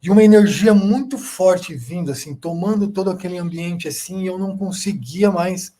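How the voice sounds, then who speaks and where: A man with a Brazilian Portuguese accent, his voice a little husky and pitched a bit high, tells a personal testimony in conversation. He rambles, circles back on his words and leans on small fillers as he goes. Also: moderate pace, dark tone. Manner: rambling, repeats words, many fillers like "assim". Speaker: guest.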